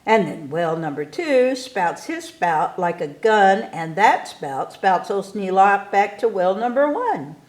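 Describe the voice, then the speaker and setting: A woman reading a rhyming picture book aloud to children in an expressive, theatrical way, stretching key words for emphasis. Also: medium pitch, unhurried, few pauses. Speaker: story time reader.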